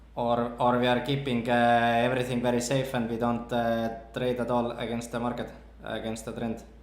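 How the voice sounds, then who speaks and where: A man at a moderate pace with a non-native accent, medium pitch and monotone, flat intonation, amid noticeable background noise and audible room echo. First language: not English. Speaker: forex trading streamer. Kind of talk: live stream chat. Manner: halting.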